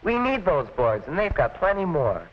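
A nervous, sheepish teenage boy in a 1940s film, hesitating as he speaks. His pitch rises and falls freely, and the sound is dull. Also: big pitch swings, normal speed.

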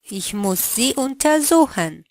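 A woman running a language lesson, giving slow, carefully articulated prompts for the learner to answer. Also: high voice, sing-song, no room sound, clean studio sound. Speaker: language teacher.

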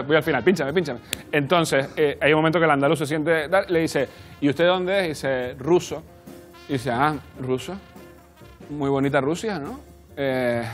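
A man hosting a late-night show, rambling in a flustered, self-deprecating way through his opening bit. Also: a little high. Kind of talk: comic late-night monologue. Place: TV studio with a live audience. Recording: studio audience and music.

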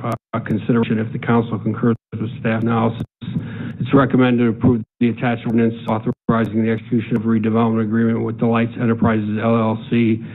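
A man serving as a city director, reading a staff report to the council in a flat, measured way. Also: lowish voice. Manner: flat, measured, reads figures aloud. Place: large city council chamber, indoors. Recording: tinny, phone-like sound with faint room noise.

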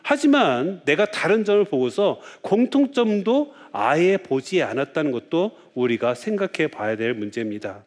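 A man's voice: fairly high pitch, big pitch swings, moderate pace, hardly any pauses, a little mellow. A man, a Catholic priest, giving a lecture, telling stories and asking rhetorical questions with frequent "yes" fillers.

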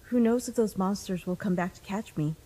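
A woman playing a gentle, uneasy young human adventurer in a comic dub, soft, hesitant and sincere. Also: medium pitch, a little fast, husky, in a large hall, close to an everyday voice, rough recording. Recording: music behind the voice.

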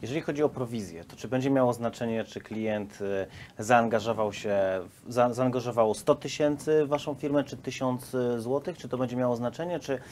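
A male interviewer in his thirties with a middle-pitched voice asks questions and sums up his guest's answers. His questions sometimes stumble into restarts before landing. A faint hiss runs under the recording. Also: brisk, darkish tone. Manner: clarifying, summarizing questions. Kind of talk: business interview. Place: film studio hall.

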